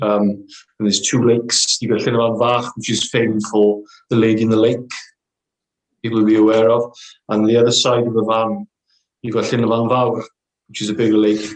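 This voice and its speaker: A man with a South Welsh accent speaks at medium pitch in a monotone, flat intonation. His pace is fairly quick, broken by long, frequent pauses. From Wales, Amman Valley (Carmarthenshire). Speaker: actor. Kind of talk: casual chat.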